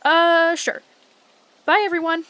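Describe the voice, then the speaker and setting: Woman playing a high-voiced, blunt lady knight. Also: flat delivery, takes it slowly, fairly bright tone, dry recording, heavily acted. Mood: exasperated. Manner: blunt, weary. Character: brisk, exasperated young lady knight. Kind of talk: comic fantasy audio drama acting.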